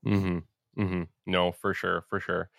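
A man hosting a business podcast, chatting in a relaxed, encouraging way with his guest. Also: sits low, takes it slowly, vocal fry, no echo, studio quality. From Western Canada. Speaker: podcast host. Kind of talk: casual interview chat.

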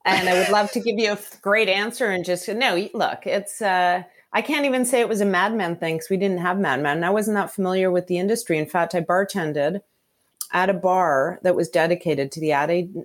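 A woman in her fifties, born and raised in Canada, whose first language is Hungarian, talking in a deep, low register. She is the guest in a podcast-style interview and tells her story in a frank, chatty way, piling on asides as she goes. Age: 50s. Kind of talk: candid conversational interview.

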